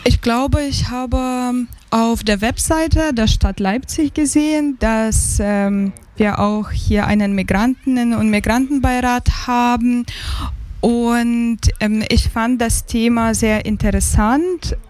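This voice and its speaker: Slow, hesitant woman from Ukraine. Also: a little high, darkish tone. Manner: hesitant, many fillers and restarts. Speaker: interview guest, migrant council member. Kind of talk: casual interview answers.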